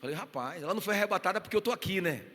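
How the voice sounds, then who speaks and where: A man's voice: high-pitched, lively intonation, racing, bright, forceful tone. A man with a Brazilian Portuguese accent preaching a sermon in church, passionate and full of told stories with acted-out quotes. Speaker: pastor. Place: church hall. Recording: reverberant church hall.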